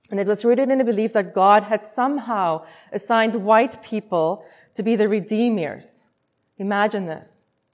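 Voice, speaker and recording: A woman's fairly high voice with a South African accent, ordinary pitch variation and a moderate pace, on a very clean recording with a silent background. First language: Afrikaans. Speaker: magazine editor and guest speaker. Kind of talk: sermon. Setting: church.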